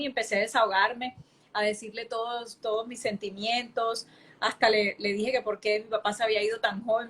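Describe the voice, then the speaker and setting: A woman's voice: on the high side, fairly bright tone. A woman, giving an earnest, vivid faith testimony as an interview guest. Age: late 30s.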